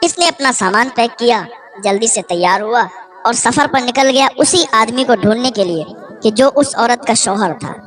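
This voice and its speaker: A woman preacher telling a moral tale about the punishment of the grave in an earnest, moralizing way. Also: fairly high pitch. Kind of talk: storytelling religious sermon. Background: faint music.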